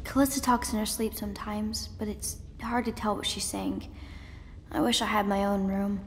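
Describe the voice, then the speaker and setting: An actress playing a playful, sulky young princess in a video game. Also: female voice, medium pitch, little pitch movement, normal speed, in a large hall, background noise, close to an everyday voice. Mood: matter-of-fact. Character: playful, sulky young girl heir to a throne.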